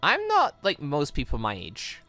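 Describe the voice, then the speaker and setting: A gamer voicing a defiant, sharp-witted teenager in an anime visual novel, indignant and challenging. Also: mid-range voice, huge pitch swings, a little slow, dry recording, faint music behind, full character voice. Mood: defensive, challenging.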